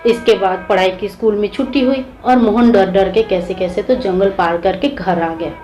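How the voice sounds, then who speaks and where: A woman's voice: medium pitch, normal speed, warm tone, rough recording. Woman telling a devotional story. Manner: simple, homely storytelling.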